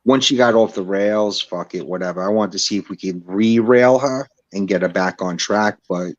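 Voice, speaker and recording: A man with a very low, deep voice joins a casual chat. He is laid-back and frank and swears offhandedly. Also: moderate pace, dull audio.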